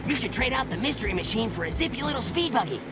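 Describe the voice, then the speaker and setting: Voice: medium pitch, animated, fast, natural voice. A performer voicing a cocky cartoon dune buggy with a teasing, boastful manner and an engine-like voice. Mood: cocky taunting. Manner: taunting, boastful. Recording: loud music behind.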